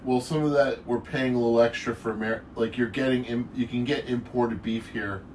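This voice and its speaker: A man with an average-pitched voice chats casually as a co-host. He speaks in short asides, adding remarks to the conversation. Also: steady tone, brisk, a little hiss or hum. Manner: brief interjections and asides. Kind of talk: casual chat.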